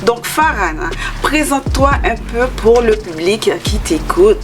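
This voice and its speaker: A woman hosting a talk show, welcoming and questioning her guest, friendly and filling pauses with short hesitations. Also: a little high, animated, music in the background. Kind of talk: interview hosting.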